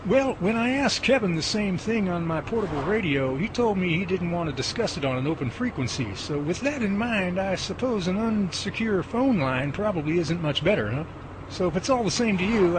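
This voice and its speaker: Excitable, higher-voiced actor as field researcher, noisy track. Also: male voice, brisk. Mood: urgent. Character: eager, jittery male field researcher named Jerry. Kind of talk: amateur radio drama acting. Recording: noisy track with ambient rumble.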